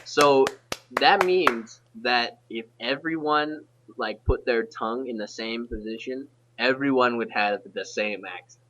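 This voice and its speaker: A teenage man hosting a casual podcast chat, rambling with halting restarts. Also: mid-range voice, bright, forceful tone, a little hiss or hum, low-quality recording. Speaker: podcast host.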